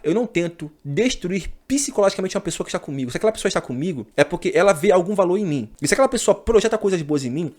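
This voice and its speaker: Brief: thirties male host from Brazil, rapid slangy delivery, voice sits a bit high. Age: 30s. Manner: slangy, addresses viewers as brothers. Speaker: channel host. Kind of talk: casual monologue to camera.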